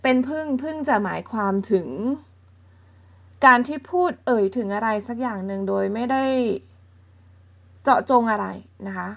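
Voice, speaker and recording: A woman's voice: fairly high pitch, expressive, gravelly. A woman teaching a beginner language lesson, explaining patiently step by step and often checking in with her listeners. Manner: patient, explains slowly and checks in with softening particles.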